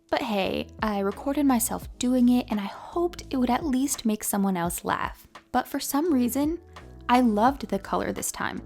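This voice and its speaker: Calm, gravelly New York woman. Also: on the high side. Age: 20s. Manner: calm and mellow. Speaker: beauty vlogger. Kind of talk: storytelling monologue to camera.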